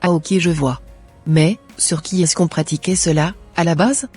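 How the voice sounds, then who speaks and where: A man's voice: fairly high pitch, steady tone, moderate pace, husky. A man voicing a young Christian woman who is considering cosmetic surgery, speaking in an earnest, plain-spoken way in a cartoon. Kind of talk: amateur cartoon voice acting. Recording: soft music underneath.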